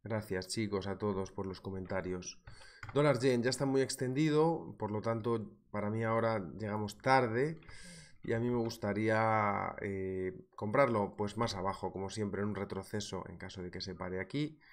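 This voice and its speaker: Brief: Spanish man, 30s, lowish voice, webinar host, sore throat, lively and chatty with viewers. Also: normal speed. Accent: Spanish from Spain. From Spain. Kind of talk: live market analysis webinar, reading viewer comments. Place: small indoor room at a desk.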